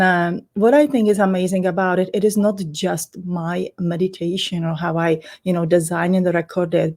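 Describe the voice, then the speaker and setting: A Czech woman, a spiritual teacher appearing as an interview guest, speaks in a lowish voice about meditation and healing. Her non-native English is loose and Czech-accented, her tone earnest yet casual, and she laughs softly and often.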